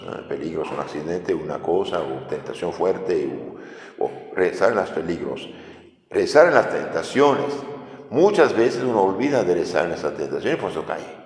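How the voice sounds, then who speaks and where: A priest teaching catechism with a French accent, preaching in a lively way and asking his listeners questions. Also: low-pitched. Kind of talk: catechism sermon. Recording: echoey hall.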